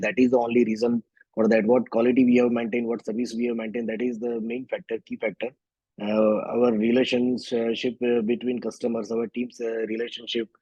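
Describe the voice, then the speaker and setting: Man, Indian accent, company executive, husky, mellow, halting, Hindi-English mix, earnings call answers. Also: mid-range voice. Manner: halting, frequent switching between Hindi and English. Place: remote conference call. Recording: dull, echoey conference call audio.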